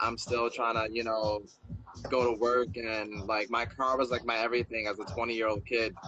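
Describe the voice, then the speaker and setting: Monotone, flat intonation from a man with a New York accent, medium in pitch, at a moderate pace. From New York, Long Island. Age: 20s. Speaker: breakdancer. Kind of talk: casual chat. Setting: livestream.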